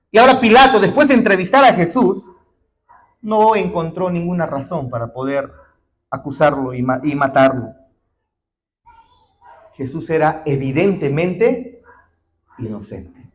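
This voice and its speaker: High-voiced emphatic preacher. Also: male voice. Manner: emphatic, rises to shouted declarations, keeps addressing listeners as brother. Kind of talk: sermon.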